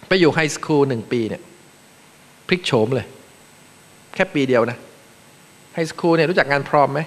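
A Thai man from Thailand, a panel speaker giving a joking, animated seminar talk in a large conference room. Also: fairly high pitch. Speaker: panel speaker, acting vice president. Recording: long reverb of a large hall.

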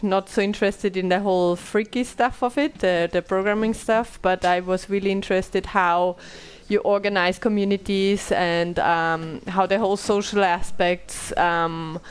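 A woman's voice: mid-range voice, fairly even intonation, normal speed, hardly any pauses, clean tone. A woman in her thirties from Austria, speaking English, moderating a panel in a small room with many fillers and restarts. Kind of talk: conference panel talk. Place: small bright meeting room. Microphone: headset mic.

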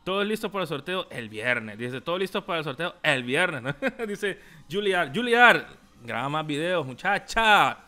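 A man's voice: a little high, very animated, moderate pace, sharp tone. A young man with a Salvadoran Spanish accent, casually reading viewer chat aloud on a tech livestream, laughing often. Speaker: tech YouTuber. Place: small room indoors.

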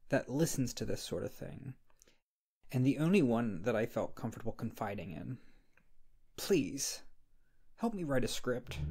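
A man playing a needy, flustered young friend in an intimate ASMR roleplay, speaking softly and hesitantly in a creaky voice. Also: mid-range voice, exaggerated voice. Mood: pleading, needy. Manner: hesitant, slow, halting, sheepish. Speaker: roleplay audio creator playing a character. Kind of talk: wholesome ASMR roleplay acting, intimate one-sided dialogue.

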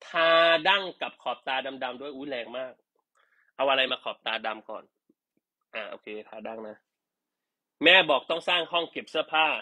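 Bright-voiced man teasing on a sales live stream. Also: fairly high pitch. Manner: joking, teasing, chatty. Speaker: live-stream product seller.

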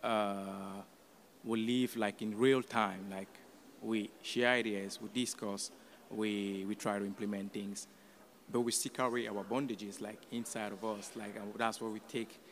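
A young man from Cameroon, a guest in a casual radio interview in an open event booth, talking haltingly with many fillers. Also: on the low side, flat delivery, a bit bright, slight background noise. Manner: hesitant, many fillers and restarts. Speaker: youth advisory committee guest. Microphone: table mic on a stand with headphones.

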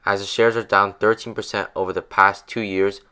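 Young guy reading a steady finance script, smooth clear voice, close mic. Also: on the low side, a little fast. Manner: steady explanatory delivery. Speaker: finance channel narrator. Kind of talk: scripted voice-over narration.

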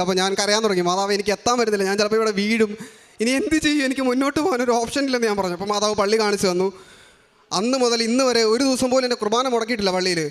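A young man from Kerala giving an earnest, rushed personal religious testimony, often restarting his sentences. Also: high voice, fairly bright tone. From Kerala, India. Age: young adult. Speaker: testimony giver.

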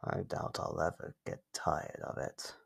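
A man voicing an ancient monster under the bed in an ASMR roleplay, playful, taunting and menacing, with a breathy, gravelly half-whisper. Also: natural voice. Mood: gloating menace. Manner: slow, teasing, menacing.

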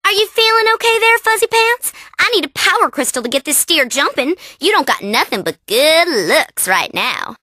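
Boastful tomboy animal racer: very high, animated, folksy Southern US drawl for a game. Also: female voice, moderate pace, hardly any pauses, no room sound, clean studio sound, heavily acted. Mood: flirty, boastful. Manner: folksy, brash, teasing. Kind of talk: animated video game character acting.

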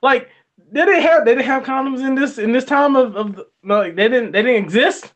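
A young man co-hosting a movie review chat, talking in an animated, colloquial way and laughing often. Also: very high-pitched, brisk, highs cut off. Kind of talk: casual chat.

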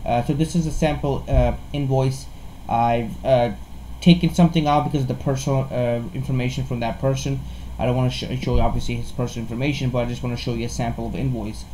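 A man giving an informal explainer as a presenter, speaking haltingly and often repeating words and restarting. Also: mid-range voice, steady tone, dark tone, slight background noise, low-quality recording. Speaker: insurance broker presenting a tutorial. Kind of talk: informal screen-share explainer.

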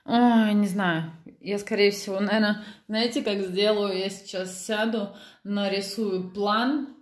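A young woman vlogging casually on a handheld phone, chatty and expressive, with exclamations. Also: medium pitch, a little slow. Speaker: family vlogger, mother. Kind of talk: casual vlog chat to viewers.

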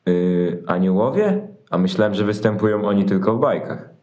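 A man's voice: lowish voice, expressive, normal speed, loud music behind the voice, natural voice. A man playing an eager, determined shepherd in a Christmas audio play, speaking earnestly and insistently. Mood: surprised.

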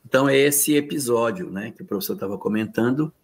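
A man's voice: mid-range voice, a little fast, gravelly, breathy edge. A man hosting a casual panel discussion over a video call, talking in a conversational way with fillers.

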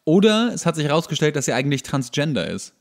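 A man's voice: on the high side, big pitch swings, fast, creaky. A young man hosting a podcast, commenting casually on a TV show in a dry, sarcastic, colloquial way. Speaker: podcast host.

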